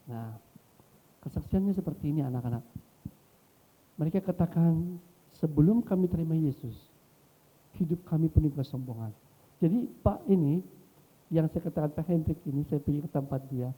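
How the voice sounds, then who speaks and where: A middle-aged male pastor preaching a sermon, telling stories and swinging between soft asides and loud exhortation. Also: on the high side. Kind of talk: sermon with storytelling. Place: church hall. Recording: long hall reverb.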